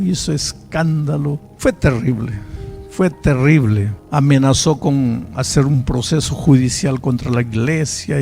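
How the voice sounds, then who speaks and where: A man's voice: mid-range voice, creaky, mellow. A man preaching a sermon, telling a story dramatically with repeated phrases.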